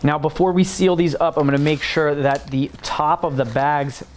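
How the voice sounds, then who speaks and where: A man's voice: on the high side, steady tone, normal speed, a little hiss or hum. A man hosting a home cooking tutorial, chatting casually and explaining each step as he works in his kitchen. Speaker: home cooking channel host.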